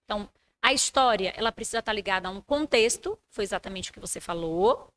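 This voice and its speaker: A woman teaching public speaking in a calm, didactic way, finishing her co-host's sentences. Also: mid-range voice, quick pace, a little hiss or hum. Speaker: speaking coach. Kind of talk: instructive conversation. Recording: long hall reverb.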